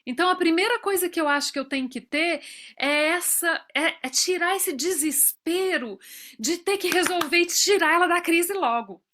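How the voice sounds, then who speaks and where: A woman's voice: extremely high pitch, lively intonation, moderate pace, sharp tone. A Brazilian woman in her forties giving a talk to professionals, telling stories from her own family and acting out quoted dialogue. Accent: Brazilian Portuguese. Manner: acts out dialogue in quoted voices. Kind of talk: lecture with personal stories.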